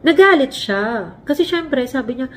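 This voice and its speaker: A woman in her forties from the Philippines, hosting a casual vlog and telling stories in an animated way, acting out quotes as she goes. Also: high-pitched, measured pace, slight background noise. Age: 40s. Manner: animated, acts out quotes, laughs while telling. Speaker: vlog host. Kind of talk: casual storytelling chat. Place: home, Canada.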